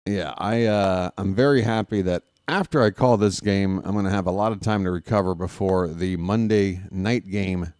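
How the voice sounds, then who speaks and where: A man's voice: low-pitched, normal speed, hardly any pauses, smooth, no echo, studio quality. Stuffy-nosed man chatting baseball. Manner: chatty, relaxed, many "uh" fillers. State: stuffy, congested sinuses. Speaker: baseball stream host. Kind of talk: casual pregame commentary.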